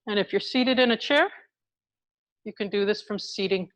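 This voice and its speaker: A woman leading an exercise class through a face mask, talking calmly step by step as she demonstrates each move. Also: mid-range voice, moderate pace, no room sound. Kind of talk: live exercise instruction, demonstrating while explaining. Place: indoors in a hospital building.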